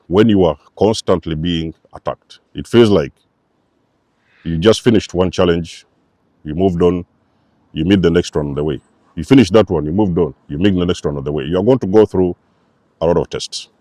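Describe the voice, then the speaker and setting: A man's voice: low voice, dark tone, no room sound, studio quality. A man hosting a spiritual channel, giving an emphatic, repetitive preacher-like talk to his viewers. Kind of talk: spiritual teaching monologue.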